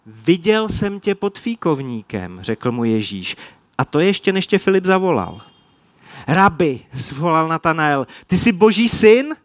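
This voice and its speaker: A man preaching a sermon, retelling Bible stories and acting out the quoted dialogue with lively energy. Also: on the high side, no room sound.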